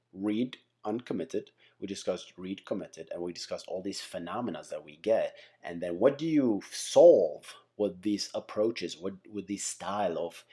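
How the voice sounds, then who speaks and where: A man with a fairly low, dark and relaxed voice teaches in an informal style. He talks things through as he goes, rambling a little and doubling back to repeat or fix his words. It sounds like a casual explainer for an online class. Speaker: tech teacher and channel host. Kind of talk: casual whiteboard-style lesson, explaining by example.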